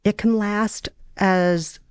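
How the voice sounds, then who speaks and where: A woman's voice: medium pitch, fairly even intonation, extremely slow, darkish tone, clear, resonant tone, no room sound. Podcast host, female. Wry, easygoing storyteller with a middle register and a dry, close recording. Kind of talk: relaxed chat and reading aloud from own fiction.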